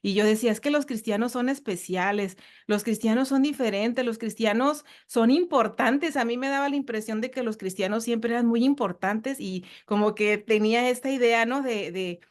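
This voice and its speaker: A woman's voice: fairly high pitch, normal speed, hardly any pauses. A woman with a Mexican Spanish accent, from northern Mexico, giving an earnest personal testimony in a casual interview, often repeating herself and using fillers. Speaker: church guest.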